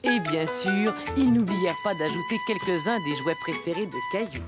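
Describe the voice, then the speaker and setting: Woman telling a kids' cartoon story, pretty animated, loud kids' music under it. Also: on the low side, moderate pace. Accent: French. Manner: clear, storytelling. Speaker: narrator. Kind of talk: scripted storybook narration. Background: children's music.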